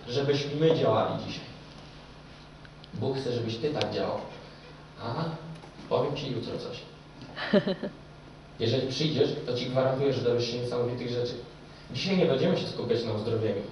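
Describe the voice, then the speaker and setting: A young man preaching a sermon to a live audience in a church hall, swinging between loud excited storytelling and hushed, intimate passages. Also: medium pitch, moderate pace, long pauses, muffled recording, a little hiss or hum. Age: young adult. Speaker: evangelist preacher. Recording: very echoey hall, speaker far from mic.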